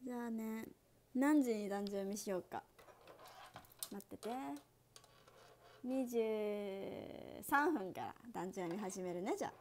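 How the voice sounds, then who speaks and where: Medium in pitch and measured in pace, this young idol host leaves long pauses while chatting with her livestream audience and reading comments. She's giggly and bubbly, laughing a lot, with slight background noise.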